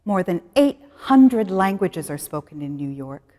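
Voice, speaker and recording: Woman, middle-aged, English teacher, slow, lively intonation. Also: on the low side, in a large hall. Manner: slow, clear and expressive, guiding students through exercises. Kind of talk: classroom lesson presentation. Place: studio in front of a plain wall.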